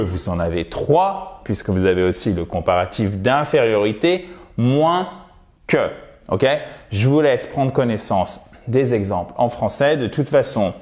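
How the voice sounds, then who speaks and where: A man giving a recorded lesson over slides, emphatic, slowing down to model English words and their stress. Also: fairly low pitch, darkish tone. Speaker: English teacher.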